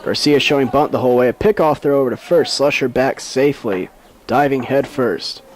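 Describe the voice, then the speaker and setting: A man's voice: mid-range voice, fairly quick. A man calling live baseball play-by-play as a sports commentator. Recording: outdoor ballpark background noise.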